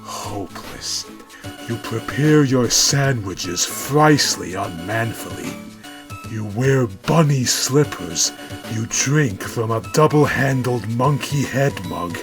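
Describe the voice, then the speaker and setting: A haughty cartoon cat, voiced by a man, declaims in a grand, bossy manner. The voice swings widely in pitch and speaks with pompous formality, with music underneath. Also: expressive, takes it slowly. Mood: scornful.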